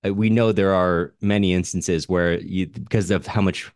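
Man, podcast co-host, very low pitch, wry book talk, dry close sound. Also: steady tone, moderate pace, a little mellow, no room sound. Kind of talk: casual book discussion, reading out listener comments.

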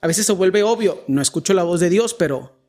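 High-voiced Mexican man, joking faith talk. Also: animated, a little fast, a little mellow. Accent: Mexican Spanish. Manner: joking, self-deprecating asides. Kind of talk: casual faith discussion.

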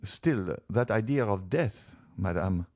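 A man reading an audiobook, voicing a formal, composed father who answers in a measured, placating way. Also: lowish voice, expressive, darkish tone, no echo, studio quality.

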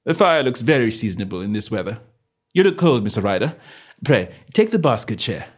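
A man voicing a calm, self-assured male detective with a bland, measured manner. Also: on the low side. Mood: cheery.

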